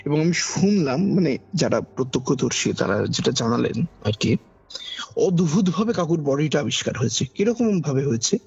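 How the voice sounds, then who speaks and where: With a Kolkata Bengali accent and a husky, gravelly, slightly high voice, a man on a podcast relates his eerie encounter very animatedly at a moderate pace, his tone a little mellow. He tells the ghost story conversationally and dramatically, repeating phrases. The lo-fi recording is dull, with background music underneath.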